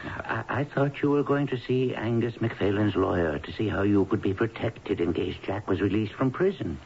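An actor playing a worried older father in a radio drama, fretful, halting and consoling. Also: lowish voice, vocal fry, a little mellow. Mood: concerned, soothing. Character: worried, soothing, flustered father of grown daughter. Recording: hissy, dull vintage radio broadcast.

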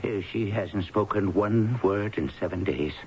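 An actor playing a worried older father in a radio drama, fretful, halting and consoling. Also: lowish voice, darkish tone. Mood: weary distress. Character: worried, soothing, flustered father of grown daughter. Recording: hissy, dull vintage radio broadcast.

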